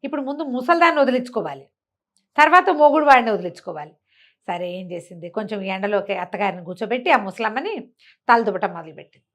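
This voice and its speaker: A woman's voice: medium pitch, fast, a bit bright. Conversational woman storyteller. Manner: colloquial, rhetorical questions to the listener. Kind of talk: animated oral storytelling, conversational.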